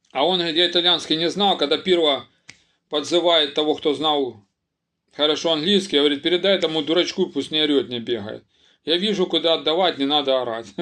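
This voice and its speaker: In a plain, everyday voice, a man talks at a fairly quick pace and fairly high pitch with ordinary pitch variation. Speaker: football commentator blogger. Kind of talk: casual monologue. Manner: casual, rambling.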